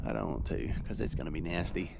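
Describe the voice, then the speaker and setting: A man's voice: deep voice, fast, creaky. A man, stuffy and nasal from a cold, chatting casually and rambling in a folksy way as he works on a windmill outdoors. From Oklahoma. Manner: rambling, folksy, self-deprecating. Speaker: windmill repairman. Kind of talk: casual vlog narration. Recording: noisy outdoor recording.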